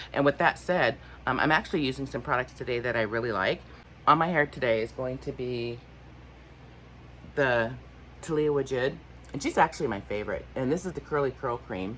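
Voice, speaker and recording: This woman's pitch is very deep and low, with ordinary pitch variation. She talks at a fairly quick pace but leaves long, frequent pauses. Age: 60s. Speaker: vlogger. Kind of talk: casual chat. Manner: halting.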